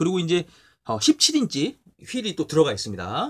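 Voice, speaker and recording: Here is a man with a high-pitched voice. His pitch swings very widely. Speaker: car-buying YouTuber. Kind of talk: car review tutorial. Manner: halting, stumbling.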